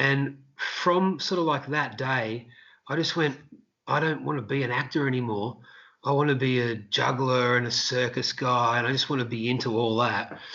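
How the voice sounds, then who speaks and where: A man's medium-pitched voice, an ordinary speaking voice, with very even loudness, ordinary pitch variation and a moderate pace. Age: 50s. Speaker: street performer. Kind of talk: casual interview. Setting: video call.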